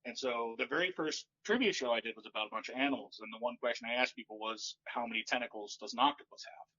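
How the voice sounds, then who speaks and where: Casting: deadpan comedian man, monotone until he ranges up, bright edge, dull lo-fi sound. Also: mid-range voice, fast talker. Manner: deadpan, monotone, kicks up when ranting. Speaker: stand-up comedian guest. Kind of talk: casual podcast chat.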